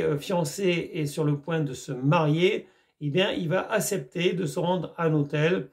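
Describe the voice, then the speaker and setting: A man with a somewhat high, gravelly voice talks casually to his viewers about a film. He rambles, hesitates often and keeps coming back to his friendly asides. The delivery is plain and unscripted. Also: a little mellow. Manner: rambling, many hesitations, repeats "mes amis". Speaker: YouTube film reviewer. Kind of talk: casual chat to camera.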